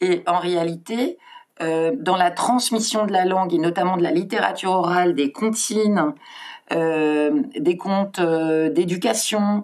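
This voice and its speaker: There is noticeable background noise as the woman talks, her medium pitch rising and falling in an ordinary way. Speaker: storyteller and actress. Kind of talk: interview answer.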